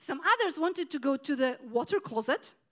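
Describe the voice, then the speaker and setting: A woman with a Polish accent speaks at a moderate pace, her pitch swinging very widely. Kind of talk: sermon. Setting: stage with audience.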